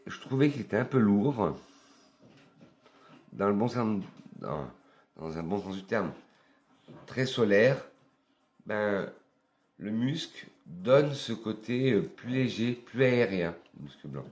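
A man from France reviewing perfumes in a casual vlog, talking in an unhurried, hesitant way and thinking aloud with many pauses. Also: lowish voice, expressive, darkish tone.

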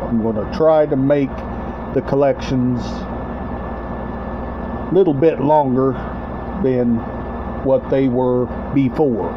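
Talking to camera from a small room at home, a middle-aged man runs a casual, rambling show-and-tell vlog for his collection channel. His medium-pitched voice has fairly even intonation, and he speaks in halting, short broken phrases, repeating himself. Sound quality is dull and lo-fi like a webcam, with clear background noise.

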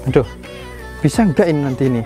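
A man, talking through a casual, excited, slangy vlog outdoors in a rice field. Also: medium pitch, fast talker, faint music behind. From Indonesia. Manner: excited, slangy, calls viewers "boy". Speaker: vlogger. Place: outdoors in a rice field beside a running tractor.

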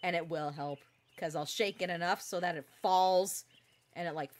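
A woman's voice: fairly low pitch, fairly even intonation, normal speed, noisy background. A young adult woman, a voice actor, giving casual, sarcastic gameplay commentary, swearing freely and putting on mock accents.

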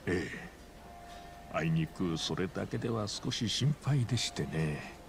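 A very old, grave school chairman, low-voiced. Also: animated, creaky, a little hiss or hum, exaggerated voice. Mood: grave, guarded. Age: older. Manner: formal, polite, measured old man's delivery. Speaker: school board chairman, client. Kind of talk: scripted video game drama acting. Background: background music.

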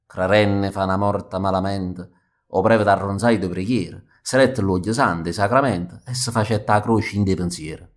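A man with a low voice and a Neapolitan accent recites narrative verse like a stage storyteller. His delivery is rhythmic and expressive, made for comic dialect poetry. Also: normal speed. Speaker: actor reading verse.

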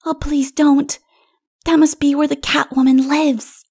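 A woman's voice: high-pitched, little pitch movement, unhurried, darkish tone, pitched above the performer's own voice. A woman voicing a small, innocent child in a storybook, anxious and trusting, with an earnest, pleading way of talking.

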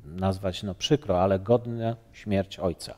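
Man, 50s, studio guest, mellow voice, halting delivery, reverberant set. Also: low voice. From Poland. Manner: halting, many fillers and restarts. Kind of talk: studio interview. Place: bright TV studio, seated on sofa.

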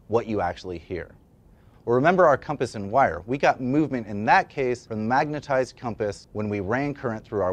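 Animated man presenting a lesson. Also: on the low side. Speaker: educational presenter and instructor. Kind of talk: scripted explainer lesson. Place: indoor studio at a demonstration table. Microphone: lapel mic.

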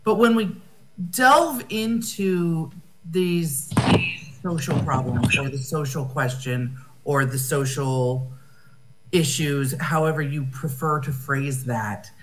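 American woman, slightly low voice, academic speaker on a video call, reflective and searching for words. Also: slow pace, a little hiss or hum, low-quality recording. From United States. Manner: thoughtful, rephrasing often, with fillers. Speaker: conference speaker. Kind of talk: academic conference talk.

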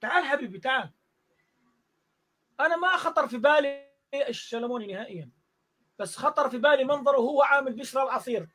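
A man with a Jordanian Arabic accent tells a story quickly in a very high voice. He acts out each exchange with animated energy. He is a music teacher speaking casually in a live online interview.

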